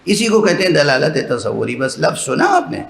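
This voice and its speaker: Gravelly-voiced man preaching in an echoey hall. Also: on the high side, huge pitch swings. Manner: explanatory, asks listeners rhetorical checks. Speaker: religious scholar addressing a mourning gathering. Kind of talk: sermon lecture. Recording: echoey hall with faint background noise.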